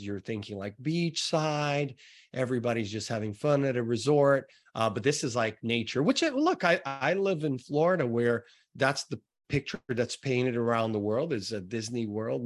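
A man with an American accent hosting a podcast, interviewing in a casual, rambling way with repeated words. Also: mid-range voice. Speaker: podcast host.

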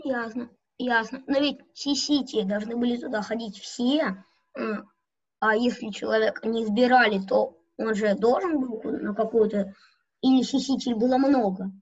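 High-voiced female student, dull recording. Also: moderate pace, breathy edge. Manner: questioning. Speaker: student asking questions. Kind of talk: casual lesson discussion. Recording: dull, band-limited sound.

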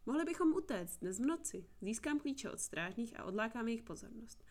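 A woman's voice: a little high, animated. A woman reading a captive young woman, earnest. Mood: pleading. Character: young woman held captive, eager and bitter. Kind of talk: audiobook reading.

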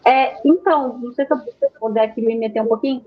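A woman's voice: on the high side, fast, highs cut off. A woman with a Carioca accent chatting casually about films in informal Rio street slang, with casual swearing. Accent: Carioca (Rio de Janeiro). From Rio de Janeiro, Brazil. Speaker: panelist discussing films.

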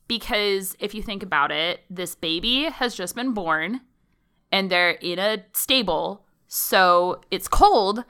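A young adult woman, a podcast guest, telling stories in animated, giggly casual chat. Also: medium pitch, clear, resonant tone.

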